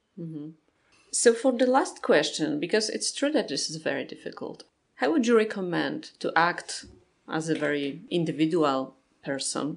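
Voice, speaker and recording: A fairly low-pitched woman's voice with a Polish accent, vocal fry, very wide pitch swings, and a moderate pace. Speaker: podcast host. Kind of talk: interview.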